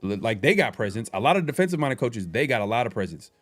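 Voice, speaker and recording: A man's voice: medium pitch, big pitch swings, fast talker, soft background music. A man co-hosting a casual sports talk show, rambling through his points with hedges and skeptical pushback.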